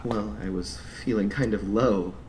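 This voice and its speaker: In a full-cast audio drama, a man plays a mild-mannered, sad circus clown who is secretly a killer, polite and droll, with a calm, smug mood. His voice sits on the low side, steady, a little slow and darkish, close to an everyday voice, with faint background noise and ambience.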